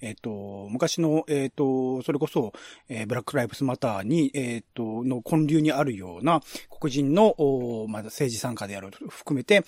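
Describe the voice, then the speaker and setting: A man co-hosts a relaxed chat podcast, speaking with a lively rise and fall and plenty of fillers. He rambles and sometimes speeds up in bursts. The sound is dry and close to the mic. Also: mid-range voice, no room sound. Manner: rambling, many fillers, talks fast in bursts. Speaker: podcast co-host, film fan. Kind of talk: casual radio chat.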